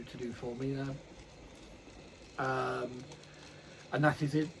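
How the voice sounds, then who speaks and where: A man's voice: mid-range voice, a little hiss or hum, low-quality recording. A man casually vlogging about his model railway hobby, rambling and correcting himself with many ums. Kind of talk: casual unboxing chat.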